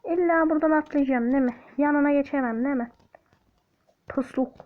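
Young woman gaming and joking around, fake black sea accent, high voice, bit dull lo-fi sound. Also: a little fast. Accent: put-on Black Sea Turkish. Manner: joking, chatty, talks to viewers, hums snippets. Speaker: gaming YouTuber. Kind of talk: casual gameplay commentary.

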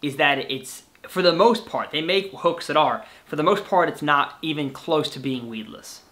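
Brief: young man, host, casual and playful, bright forceful tone, slightly high pitch, webcam at home. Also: normal speed. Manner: easygoing, playful, wraps up the show. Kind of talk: casual debate over a video call. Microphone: webcam on a video call.

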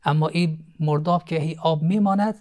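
A male cleric on a TV studio program, calmly telling moral stories and teaching with frequent hesitation fillers. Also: fairly high pitch. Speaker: cleric, guest expert. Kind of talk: storytelling religious teaching on TV.

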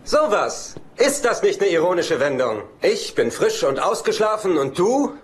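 An actor playing a cocky, sardonic, teasing bachelor brother in a German-dubbed sitcom, with a dry, smug delivery. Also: male voice, sits high, very animated, a little slow, a little hiss or hum. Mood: smug, mocking.

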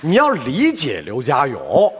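A man's voice: medium pitch, huge pitch swings, measured pace, crowd noise. A man hosting a televised job-hunting show on stage, speaking into a headset mic. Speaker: TV show host. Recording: echoey hall, studio audience noise.

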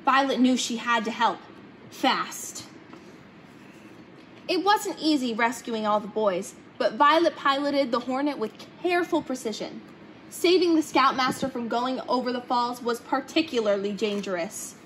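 High-pitched young woman reading a storybook. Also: animated, unhurried, fairly bright tone, a little hiss or hum, rough recording. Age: young adult. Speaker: storybook reader. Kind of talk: reading a children's picture book aloud. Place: indoor hangar-like museum room, seated in open cockpit.

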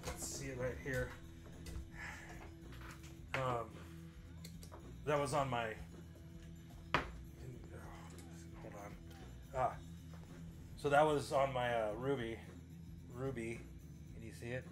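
A man's voice: mid-range voice, little pitch movement, slow pace, long pauses. Middle-aged man rambling casually over music. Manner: repeats phrases, emphatic, swears casually. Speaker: vlogger and musician. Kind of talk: casual, rambling vlog talk to camera. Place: small bedroom home studio, indoors.

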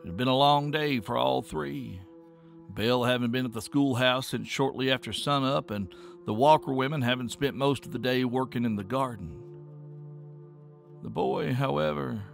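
Gravelly man telling a story. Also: medium pitch, soft background music. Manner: slow, measured folksy storytelling. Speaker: narrator. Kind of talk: scripted horror storytelling podcast narration.

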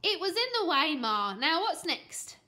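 A woman's voice: high-pitched, very animated, a little slow, pushed and bright, pitched above the performer's own voice, full character voice. A woman voicing a bratty, greedy young boy in a children's storybook, whiny, slangy and demanding.

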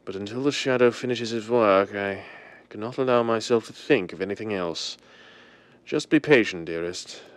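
Man playing a suave low-voiced gentleman hero, radio drama. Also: clear, resonant tone, natural voice. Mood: suave, breezy. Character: suave, secretive wealthy gentleman playing idle, secretly a crime-fighter. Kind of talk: 1930s radio drama acting.

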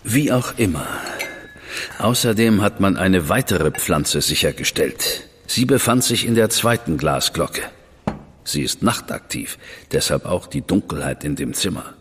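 A composed Victorian spymaster with a very low, measured voice and a sardonic edge. His lines carry a long reverb tail, as if spoken in a large stone room. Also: animated, a bit bright, slight background noise. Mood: briefing. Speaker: senior crown official briefing an agent. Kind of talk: studio radio drama acting.

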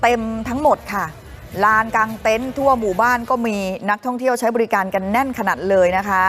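A woman's voice: fairly high pitch, a little fast, fairly bright tone. A woman co-hosting a morning news show, chatting upbeat to viewers over travel footage. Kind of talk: casual live TV chat over travel footage.

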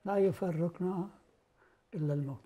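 Husky, dark-voiced Palestinian man in his nineties. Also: sits high, moderate pace. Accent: Palestinian Arabic. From Beisan, Palestine. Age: 90s. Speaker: interviewee recounting displacement. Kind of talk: oral history interview. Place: indoor living room.

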